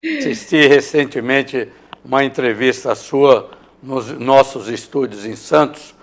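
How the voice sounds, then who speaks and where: Rambling male news host, mid pitch. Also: animated, measured pace, vocal fry. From Maranhão, Brazil. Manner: hesitant, rambling questions with many fillers. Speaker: host of a morning news show. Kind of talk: live interview hosting.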